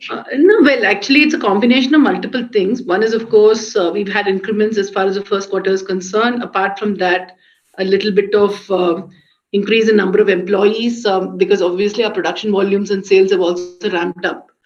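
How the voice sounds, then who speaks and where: A man's voice: high-pitched, fairly even intonation, a little fast. A man speaking as a finance executive, explaining figures on an earnings conference call. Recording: muffled conference call audio.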